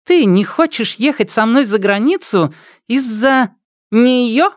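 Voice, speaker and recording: A man voicing a spoiled, furious rich teenage girl in an audiobook, shrill, mocking and scornful. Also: expressive, takes it slowly, no room sound, studio quality, heavily acted. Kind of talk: audiobook character voice.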